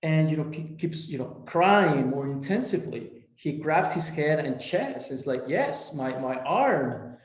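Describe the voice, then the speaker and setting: A man's voice: fairly high pitch, normal speed, hardly any pauses, reverberant, rough recording. A man from Mexico, a clinician giving a recorded presentation, who retells patient dialogue and often restarts and repeats his words.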